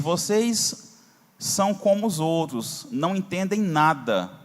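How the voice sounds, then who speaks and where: A Brazilian pastor teaches a Bible class in an easy, conversational way, often pausing to check that the class is following along. His voice sits a little high for a man. The sound carries a long reverb from the church hall. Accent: Brazilian Portuguese. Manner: conversational, asks for verses on screen, frequent "tá?". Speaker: Sunday school teacher, pastor.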